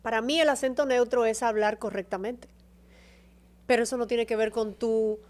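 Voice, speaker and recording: A woman telling stories as a podcast guest, warm and expressive about her career and her home country. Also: fairly high pitch, moderate pace. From Dominican Republic. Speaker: guest, actress and TV presenter. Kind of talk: casual interview chat.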